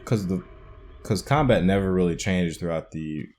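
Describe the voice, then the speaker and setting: A man's voice: low voice, moderate pace, a little mellow, slight background noise. A man giving casual commentary as the host of a gaming video.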